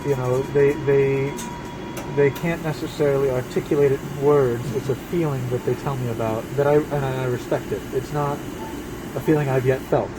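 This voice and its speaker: A man answering as an interview guest, measured and reflective, pausing mid-sentence. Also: fairly even intonation. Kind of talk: casual conversational interview. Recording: noisy, air conditioning and vehicle rumble.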